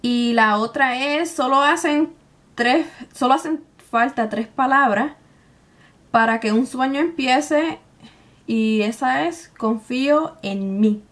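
A woman's voice: sits high, slow, a bit bright. A young woman with a Puerto Rican Spanish accent chats casually to camera, informal and colloquial, dropping in English words. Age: young adult. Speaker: beauty vlogger. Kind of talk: casual chat to camera, answering tag questions. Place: small room at home, indoors.

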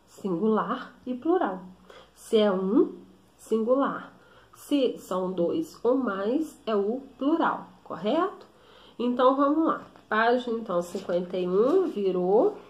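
Woman teacher, slow explanatory lesson, keeps checking in, echoey room. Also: fairly high pitch, expressive. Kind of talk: recorded classroom lesson.

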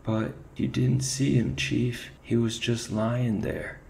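A man voicing a cowardly male rat soldier who stammers in a high, whining voice. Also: measured pace, gravelly, slight background noise. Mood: scared.

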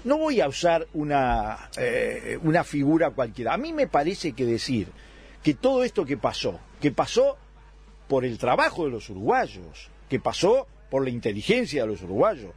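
A man's voice: mid-range voice, huge pitch swings, normal speed, slightly rough. A man in his sixties, born in Italy, arguing his side as a guest in a political radio debate. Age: 60s.

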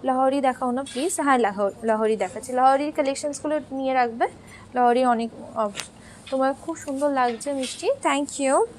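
Chatty high-voiced woman live-stream host. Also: fairly quick, darkish tone, a little hiss or hum. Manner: chatty, switching between Bengali, Hindi and English; reads viewer comments aloud and answers them. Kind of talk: casual live sales stream.

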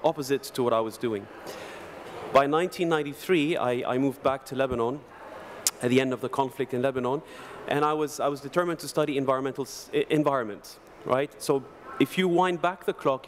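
A man in his forties, raised in Denmark, speaks on a conference panel in a large hall. He tells his career story reflectively at an ordinary pitch, gesturing as he talks into a desk microphone, with a faint hum of ambience behind him. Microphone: desk microphone on a stand.

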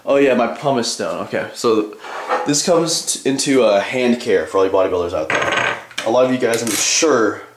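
A man's voice: medium pitch, moderate pace, roomy sound, very noisy. A man in his twenties chatting casually and offhandedly to viewers in a rambling vlog, recorded on a handheld camcorder in a small bathroom. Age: 20s. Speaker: bodybuilding vlogger. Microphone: handheld camcorder at arm's length.

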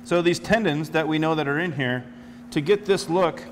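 A man's voice: a little high, moderate pace, big-room sound, noisy background. A man in his forties, a chef walking through a cooking demonstration step by step in a studio kitchen. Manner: explanatory, steady step-by-step instructions.

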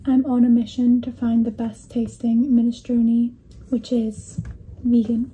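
A young woman talks casually to the camera about her day as a student. Her voice is a little high but soft and mellow, and her chat is self-deprecating, broken up by small laughs. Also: flat delivery, measured pace, slight background noise, low-quality recording. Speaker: university student vlogger. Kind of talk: casual vlog narration.

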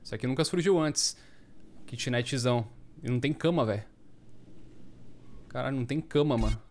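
A man in his thirties, a gaming streamer, giving casual, slangy commentary on a headset with bursts of excited chatter. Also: mid-range voice, moderate pace.

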